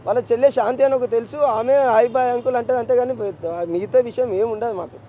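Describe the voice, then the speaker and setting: Grieving man, Telangana accent, high pitch, rapid speech, dark tone, halting and impassioned. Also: fairly even intonation, lo-fi sound, slight background noise. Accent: Telangana Telugu. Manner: impassioned, halting, repeats himself. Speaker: grieving father interviewed. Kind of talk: emotional street interview.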